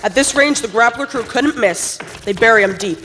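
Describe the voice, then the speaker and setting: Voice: mid-range voice, moderate pace, natural voice. A teenage actor playing a grave, guilt-ridden airship officer in a live radio play. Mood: somber, regretful. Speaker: student actor. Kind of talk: dramatic first-person radio play narration. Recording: very noisy live stage recording, loud effects.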